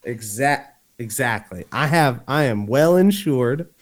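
A man's voice: mid-range voice, lively intonation, takes it slowly. A young man co-hosting a podcast in casual chat, swearing freely and laughing often. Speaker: podcast co-host.

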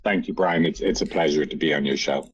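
A man's voice: rumbling low, brisk, breathy edge, dull audio. A man with a Dublin Irish accent, a relationship expert guest talking in a thoughtful, wry, self-deprecating way in a podcast interview. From Dublin, Ireland.

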